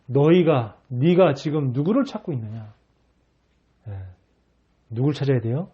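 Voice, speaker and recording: Male pastor, sermon, emphatic rhetorical questions, husky voice, dull lo-fi recording. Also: fairly high pitch, dark tone.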